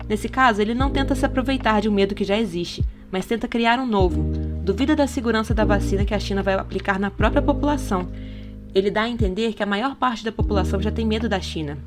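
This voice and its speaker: A Brazilian woman reading a scripted podcast essay in an explanatory manner, often posing rhetorical questions. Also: medium pitch. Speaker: podcast narrator. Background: background music.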